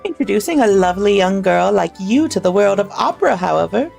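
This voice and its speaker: A woman's voice: mid-range voice, lively intonation, a little fast, gravelly, a little mellow, faint music behind. A woman voicing an elderly, courteous English noblewoman in a genteel, effusive old-lady voice as she reads a story. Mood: wistful, warm. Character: elderly English noblewoman, fond, courteous, passionate about opera.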